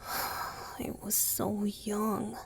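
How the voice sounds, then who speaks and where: A woman voicing a gentle, youthful male vampire boyfriend in a romantic ASMR roleplay, soft and hesitant. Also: medium pitch, monotone, drawn-out words, full character voice, poor audio. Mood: wistful, confessional. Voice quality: soft, breathy, husky. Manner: hesitant, tender, sighing delivery.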